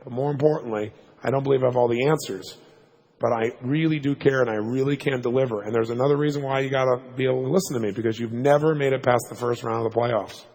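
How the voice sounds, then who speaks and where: A man telling a story to a live audience as a motivational speaker, fast and punchy, checking in with "right?" asides. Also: medium pitch, steady tone, darkish tone. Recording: long hall reverb.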